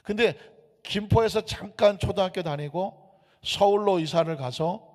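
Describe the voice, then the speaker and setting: A male pastor preaching a sermon, animated and joking, slipping into regional dialects now and then. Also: sits high, unhurried. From Gyeonggi Province, raised in Seoul. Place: church sanctuary. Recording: echoey church hall.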